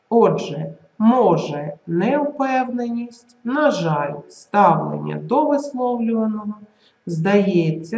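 A language teacher narrating a scripted video lesson, reading word lists slowly and clearly with marked intonation. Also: mid-range voice, darkish tone. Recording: echoey room, dull lo-fi recording.

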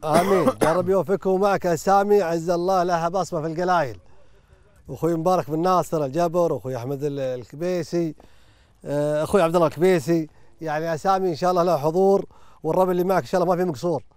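A man with a Qatari accent hosting a live program, greeting teams in the field with quick friendly questions. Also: on the high side, a little mellow, dry recording. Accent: Qatari Arabic. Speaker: studio host. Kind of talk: live broadcast check-ins by radio link.

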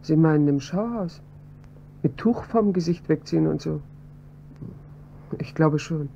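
A composed female pharmacist in a radio drama, measured and precise, a little guarded. Her tone is dark and mellow. The recording is dull, with a faint hum behind it. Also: low-pitched, vocal fry. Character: composed female head pharmacist, adult woman. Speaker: witness. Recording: dull, slightly noisy audio with hum.

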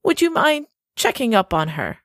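A genteel, secretive hostess. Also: female voice, a little high, big pitch swings, a bit bright, no echo, studio quality. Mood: gracious. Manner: gracious, slow and courteous. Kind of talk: audio drama acting.

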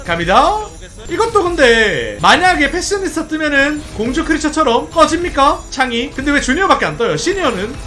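High, lively, excitable game commentator. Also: brisk, soft background music. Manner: excitable, laughs often, pleads with the game; talks directly to viewers. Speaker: gaming channel host. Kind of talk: casual gameplay commentary.

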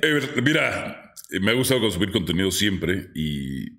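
A man's voice: moderate pace, creaky. A man in his forties with a Mexico City accent, a sports commentator guest talking animatedly at a desk mic in a small studio. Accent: Mexico City Spanish. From born in Guatemala, raised in Mexico City. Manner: animated, booming exclamations. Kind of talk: casual interview chat.

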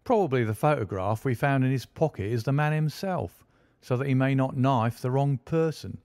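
A man's voice: medium pitch, normal speed, a little mellow, no echo, lightly acted. A man reading aloud and voicing a brash, self-satisfied police inspector who boasts and insists on his own theory. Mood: boastful.

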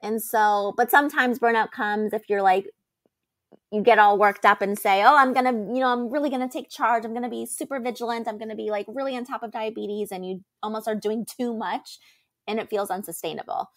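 A woman's voice: on the high side, steady tone, fairly quick. A young woman co-hosting a podcast, talking in a chatty, reassuring way with lots of fillers. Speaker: podcast co-host. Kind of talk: casual chat.

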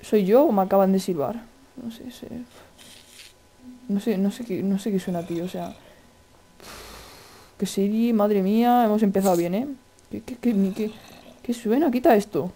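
Man, Spain Spanish accent, excitable gameplay commentary, mellow tone. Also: high-pitched, moderate pace, long pauses, a little hiss or hum. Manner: excitable, chatty, exclaiming. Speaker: gaming video host.

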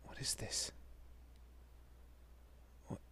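A man playing a protective, easily bewildered young husband and father in an audio roleplay, with a husky, breathy, often whispering voice and halting, muttering delivery. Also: sharp tone, heavily acted. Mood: anxious, hushed. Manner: halting, muttering, mild swearing.

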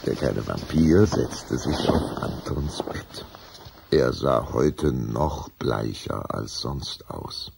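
A man narrating a children's radio play as a suspenseful, deliberate storyteller. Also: rumbling low, expressive, creaky, darkish tone, slight background noise.

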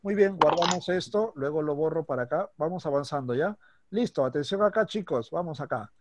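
A man teaching a primary school class online. He is patient, checks in constantly with short questions, and slows down to stress words when he explains. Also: a little high, lively intonation, dry recording. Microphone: computer mic on a video call.

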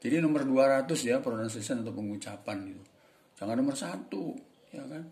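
A man's voice: mid-range voice, lively intonation, fairly quick, a little mellow, reverberant. A man teaching English in a casual, chatty way, addressing viewers as friends and sometimes mimicking other voices for examples. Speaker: English tutor. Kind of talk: casual spoken lesson.

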